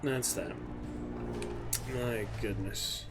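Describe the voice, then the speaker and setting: A man giving casual, low-key gameplay commentary, musing to himself over game sounds. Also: drawn-out words, over loud music. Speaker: gamer commentating own gameplay. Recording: clear game noise behind voice. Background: video game sounds.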